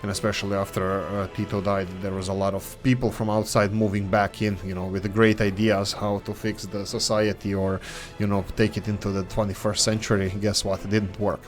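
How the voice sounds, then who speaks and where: A man's voice: on the low side, level tone, brisk, soft background music. A young adult man from Croatia with a Croatian accent, rambling with many fillers and restarts as he talks over a game he is playing. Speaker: gaming channel host. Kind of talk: casual commentary over a game.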